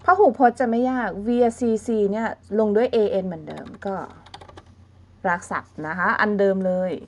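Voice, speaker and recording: A woman with a Thai accent teaching a German grammar lesson online, repeating words slowly and checking in with her students. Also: medium pitch, lively intonation, creaky. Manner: drills words by repeating them, checks in with "remember?".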